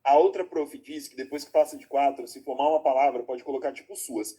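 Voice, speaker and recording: Teaching over a video call, a man with a medium-pitched, steady, mellow voice that's slightly rough talks a little fast. He walks through the material step by step, checks in with students frequently, and addresses them as "my loves."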